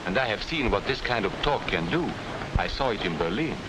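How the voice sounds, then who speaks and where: A middle-aged man with a Hungarian accent playing a calm former professor who talks in a measured, lecturing way, in a 1940s film. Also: on the low side, natural voice. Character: calm, earnest male immigrant professor. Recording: hissy 1940s film soundtrack.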